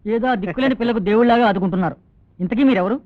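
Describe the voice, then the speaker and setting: A man's voice: high-pitched, racing, no room sound. A man in a comedy film asking eager questions. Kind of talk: film dialogue. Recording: dull lo-fi film audio with music.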